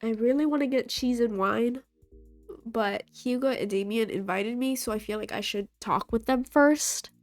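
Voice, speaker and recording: A woman's voice: a little high, moderate pace. Stuffy-nosed woman playing a dating game. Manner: playful, reads characters in her own voice. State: stuffy nose from a cold. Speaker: gaming video host. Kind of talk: reading a dating game aloud, playing all the lines. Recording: faint game music behind.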